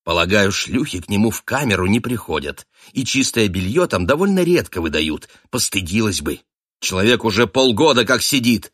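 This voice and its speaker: A tired, sardonic husband, voiced by a man reading a novel, answering in cool, clipped phrases. His voice sits low and dry, close to the mic, with mockery underneath the restraint. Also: big pitch swings, normal speed, a bit bright, breathy edge, no echo, heavily acted. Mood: sardonic, weary. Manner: sardonic, clipped, through gritted teeth. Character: weary, sarcastic adult husband, cutting and cold.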